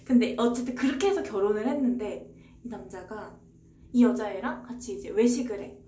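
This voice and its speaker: A young woman streamer with a medium-pitched, dark voice casually retells a novel's plot at a fairly quick pace. Chatty and rambling, she tosses short replies to her viewers' chat. The recording has a roomy echo and faint background hiss.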